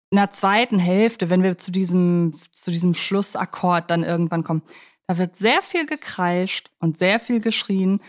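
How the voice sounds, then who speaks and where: Female podcast co-host, mid-range voice, reflective and searching in conversational film talk. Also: mid-range voice.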